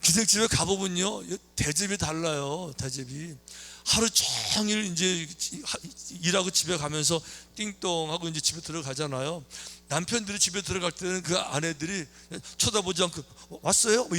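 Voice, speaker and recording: A man preaching a sermon as a pastor, telling stories in a lively way, acting out the characters' lines and tossing questions at the congregation. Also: fairly high pitch, fairly quick, soft background music. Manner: lively storytelling, acting out quoted lines, chatty asides to the congregation. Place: church sanctuary.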